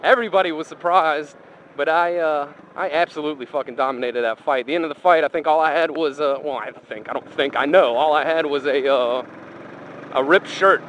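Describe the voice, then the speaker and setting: This motorcycle vlogger's voice is fairly high, fairly quick and a bit bright as he rambles through a casual, profane first-person story in colloquial speech. He's talking inside his helmet on a helmet mic while riding, with motorcycle engine, road and traffic noise around him.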